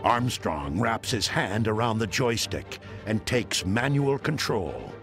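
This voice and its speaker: Animated low-voiced male documentary narrator. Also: slow, vocal fry. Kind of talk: scripted dramatic narration. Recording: studio narration over prominent music.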